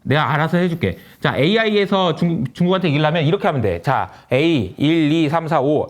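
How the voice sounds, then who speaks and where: A smug, self-assured tech company, personified, as a man acts it out. It talks in a breezy, condescending way, as if every problem is easy. The sketch is quick and casual. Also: on the high side, expressive, close to an everyday voice.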